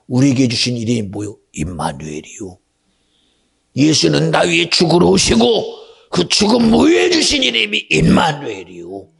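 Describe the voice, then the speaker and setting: A male pastor preaching a sermon in church, swinging between hushed whispers and shouted outbursts. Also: mid-range voice, creaky, slightly rough. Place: church sanctuary.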